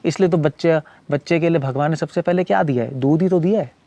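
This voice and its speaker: A man's voice: fairly high pitch, fast talker, mellow, dull audio. A man, a monk who was once a medical doctor, giving a casual explanatory talk in a conversational way, often repeating words and restarting, and mixing English terms in. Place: cow shelter owner speaking from his farm community.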